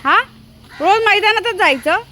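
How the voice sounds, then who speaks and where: A very high-pitched woman talks casually to her dog, coaxing and playfully scolding it. She is recorded outdoors on a residential street, and noise around her is clearly heard. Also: lively intonation, measured pace, sharp tone. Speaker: vlogger walking her dog. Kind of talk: casual chat with pets and neighbors. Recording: noisy outdoor ambience.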